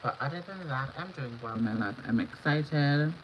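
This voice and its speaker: A woman from Antigua and Barbuda, hoarse from a cold, talking viewers through a makeup look on a livestream. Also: sits low, lively intonation, normal speed. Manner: chatty, instructional, greets viewers by name. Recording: dull lo-fi stream audio with clear background noise.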